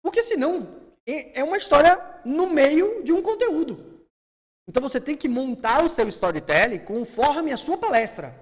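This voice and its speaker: A speaking coach from Salvador, Brazil, teaches public speaking in an instructive conversation, energetic and emphatic, breaking into rising bursts when he gets worked up. His voice is extremely high-pitched at a moderate pace, with long hall reverb on the recording.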